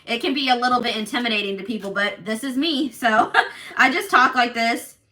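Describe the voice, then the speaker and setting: A woman with a strong, loud voice giving a casual tarot reading to viewers in an assertive, emphatic, repetitive manner. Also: a little high, a little fast, recorded from a distance. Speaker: tarot reader and channel host.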